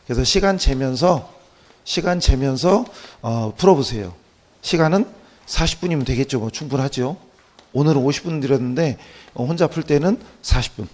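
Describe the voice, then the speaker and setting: A man with a voice hoarse from a cold, teaching an accounting class through practice questions with short check-in questions. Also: medium pitch, moderate pace, darkish tone. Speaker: accounting exam lecturer.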